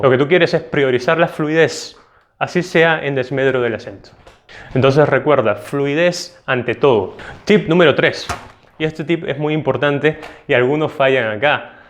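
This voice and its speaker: A man with a Latin American Spanish accent teaching a test-prep video lesson, explaining clearly and emphatically and checking in with "ok?". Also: mid-range voice.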